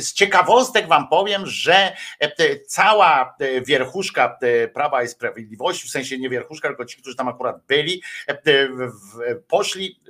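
A man hosting his own vlog, giving casual, mocking political commentary in a colloquial way, often pausing with hesitations. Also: fairly high pitch, bright, forceful tone. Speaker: vlog host.

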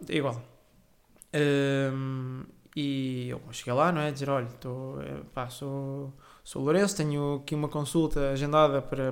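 A young man, telling a rambling, swearing, self-correcting story as a podcast host. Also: on the high side. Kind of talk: casual solo storytelling.

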